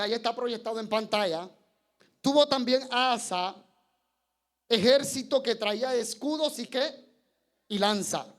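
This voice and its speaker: Preacher guy, pretty high voice, takes his time, keeps asking the church stuff and chuckling. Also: a bit bright. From Colombia. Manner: engages the congregation with questions and chuckles. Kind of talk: sermon. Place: church service.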